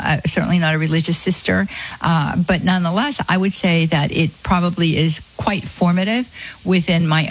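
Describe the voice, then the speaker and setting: A woman's voice: on the low side, vocal fry, breathy edge, rough recording. A middle-aged woman hosting a live Catholic call-in radio show, speaking effusively with many fillers and restarts.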